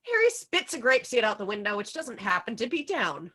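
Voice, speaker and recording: Animated woman reading stage directions. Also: on the high side, fairly quick, a little hiss or hum. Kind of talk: scripted narration at a table read.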